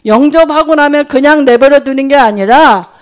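High-voiced woman giving a chatty sermon. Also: normal speed. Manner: conversational, keeps asking listeners for agreement. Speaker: church speaker on evangelism. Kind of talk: informal sermon talk.

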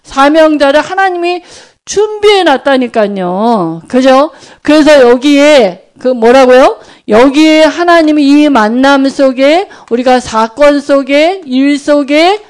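A woman's voice: high-pitched, expressive, slow. A woman giving an informal sermon on evangelism, speaking conversationally and often checking that listeners agree.

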